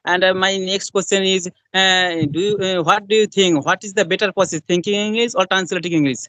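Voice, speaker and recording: Young indian guy, bengali accent, high-ish voice, lots of uh and repeats, dry sound. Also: steady tone, fairly quick, sharp tone, dry recording. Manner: repetitive, with many fillers. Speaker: interviewer in a practice conversation. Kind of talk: casual conversation practice.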